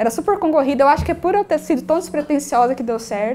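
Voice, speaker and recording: A woman speaks with a strong Minas Gerais accent. Her pitch is high and her intonation lively. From Brazil, Minas Gerais interior (Uberlândia). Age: 20s. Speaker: travel influencer. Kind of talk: talk to an audience.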